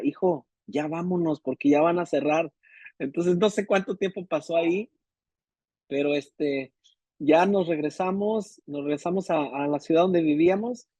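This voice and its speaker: A man telling his conversion testimony to a pastor in an emotional, halting way with many restarts. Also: sits high, mellow, no echo, lo-fi sound. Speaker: church member giving testimony.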